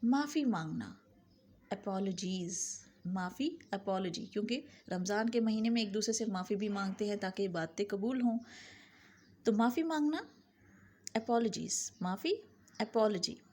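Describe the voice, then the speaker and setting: A woman teaching English vocabulary, saying each word pair twice and the English words slowly. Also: medium pitch, expressive, darkish tone. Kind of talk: vocabulary lesson.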